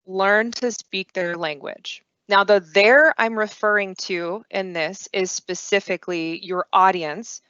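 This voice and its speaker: A woman's voice: medium pitch, steady tone, unhurried, few pauses, a bit bright, smooth, no echo. Woman giving an online talk. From United States. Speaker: conference speaker. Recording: dull lo-fi dry sound.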